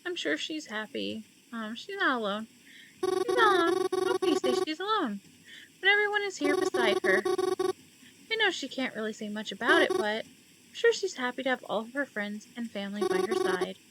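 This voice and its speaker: Woman reader as a gentle young woman consoling a mourner, high voice, loud background noise. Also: big pitch swings, moderate pace. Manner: soft, consoling. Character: calm young woman who attends funerals.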